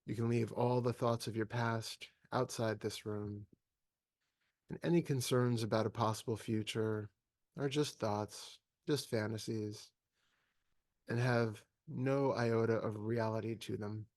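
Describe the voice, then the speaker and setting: A man leading a guided meditation as a teacher, speaking calmly and in measured phrases with long pauses. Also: on the low side, no room sound, clean studio sound.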